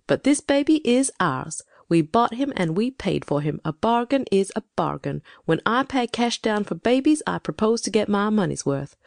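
A woman voicing a brisk, stern older farm wife who speaks crisply and icily. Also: medium pitch, sing-song, darkish tone, no echo, studio quality. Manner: crisp, icy, commanding. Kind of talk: audiobook character voice.

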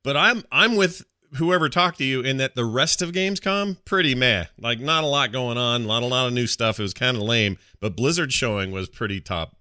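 A man's voice: medium pitch, expressive, moderate pace, few pauses, pushed and bright, no echo, studio quality. An American man chatting casually as co-host of a gaming podcast. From United States.

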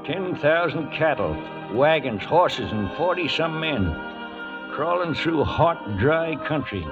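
An actor playing a gravelly, folksy old cowhand who narrates a cattle drive in a rustic drawl, in a 1940s radio western. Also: male voice, on the high side, lively intonation, slow, music in the background. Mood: weary, reflective. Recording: muffled vintage radio recording.

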